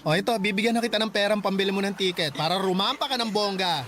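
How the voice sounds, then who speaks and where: A man's voice: high voice, fast talker, noisy background, natural voice. A man acting a flamboyant, loving but stern gay adoptive mother with a Filipino accent, campy and sassy, in a radio drama. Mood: fond, teasing. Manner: campy, theatrical, code-switching into English exclamations.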